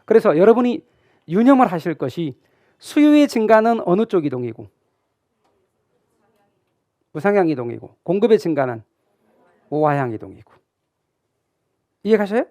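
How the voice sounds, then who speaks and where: A man's voice: high-pitched, sing-song, normal speed, pauses often, warm tone, dry recording, clean studio sound. A middle-aged man giving a classroom lecture, asking his students questions and answering them himself. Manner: acts out imagined student questions. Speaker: real estate exam lecturer.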